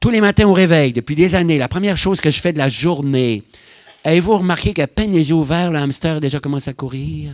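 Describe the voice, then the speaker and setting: Here a man speaks with a Canadian French accent. His pitch is fairly high and his pace fairly quick. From Quebec, Canada. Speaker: physician and workplace mental health consultant. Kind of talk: public lecture. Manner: humorous.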